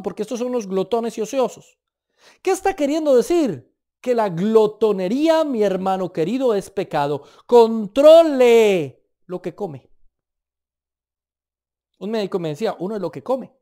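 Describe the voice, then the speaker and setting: Colombian preacher, mellow and emphatic. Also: male voice, high voice, brisk. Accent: Colombian Spanish. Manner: emphatic, animated preaching with asides and chuckles. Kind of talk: sermon.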